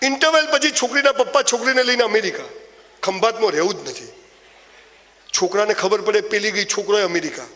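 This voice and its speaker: A man delivers a motivational speech, spinning comic stories with mocking asides. His voice sits high for a man. It rings out with a long hall reverb. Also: slight background noise. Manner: animated storytelling with mocking asides. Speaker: motivational speaker.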